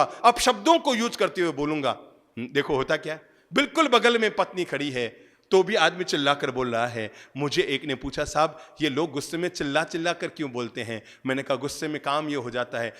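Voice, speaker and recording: Lively, bright-voiced male preacher in a hall. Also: a little high. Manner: animated storytelling with dramatic swings in volume. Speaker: spiritual preacher. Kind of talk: Hindi discourse sermon. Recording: long hall reverb.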